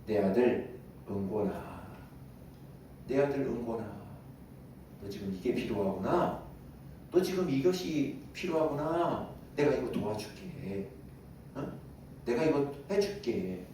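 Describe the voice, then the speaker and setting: A male pastor voicing God as a tender, reassuring father speaking to his children, in a slightly lower, softer tone. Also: expressive, takes it slowly, pauses often, slight background noise. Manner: gentle and reassuring. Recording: very echoey room, voice from a distance.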